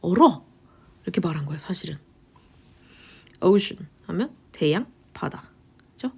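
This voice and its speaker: Lively woman teaching English vocabulary. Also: fairly low pitch, gravelly, husky. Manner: explains words with quick rhetorical questions, drops into whispers. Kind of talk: vocabulary lecture.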